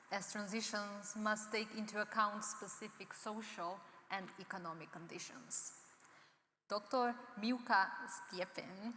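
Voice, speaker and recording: A woman moderating a conference panel, introducing the next speaker in a measured, formal way. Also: medium pitch, pushed and bright. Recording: echoey hall with faint noise.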